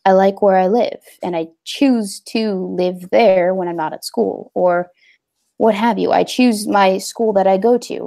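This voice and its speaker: A woman's voice: fairly low pitch, vocal fry, mellow. A young woman hosting a casual livestream, talking in a rambling, hesitant way with many fillers. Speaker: livestream host.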